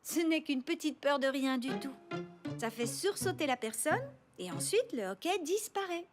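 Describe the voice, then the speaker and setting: A woman's voice: high voice, lively intonation, normal speed. A woman voicing a patient, caring mother in a French children's cartoon. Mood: patient, soothing. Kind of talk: dubbed children's cartoon acting. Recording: music behind the voice.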